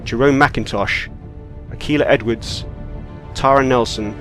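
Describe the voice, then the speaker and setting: A man's voice: medium pitch, a little slow, over music. A man announcing the closing credits of an audio drama in a scripted, formal reading.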